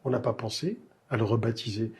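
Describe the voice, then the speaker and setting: A male host at a literary talk show speaks in a very husky, raspy voice. His tone is mellow and dark, and he talks in a measured, digressive way, often pausing on fillers as he builds his questions. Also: medium pitch. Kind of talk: cultured interview conversation.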